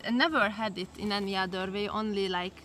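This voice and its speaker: A woman's voice: mid-range voice, fairly quick, fairly bright tone, a little hiss or hum. A woman hosting a casual outdoor cooking vlog, chatting and giggly as she explains things. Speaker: vlog host. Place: outdoors on a farm.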